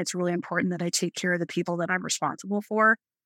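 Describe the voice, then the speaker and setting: With an American accent, a woman of medium pitch speaks in a bright, sharp tone and fairly even intonation, the sound dry and close with no echo. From Arizona. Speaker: high school principal. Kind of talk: radio interview.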